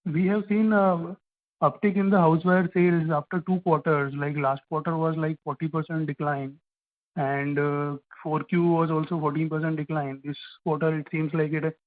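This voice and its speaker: A man with an Indian accent asking financial questions as an analyst on a call. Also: a little high. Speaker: analyst caller. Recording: narrow telephone line.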